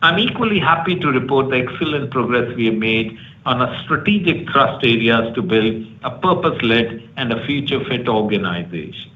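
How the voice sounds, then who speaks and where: Echoey executive, formal remarks. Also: male voice, mid-range voice, very animated, normal speed. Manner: formal corporate delivery. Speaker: senior company executive. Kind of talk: prepared earnings call remarks. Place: conference call. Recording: echoey, dull, faintly noisy conference line.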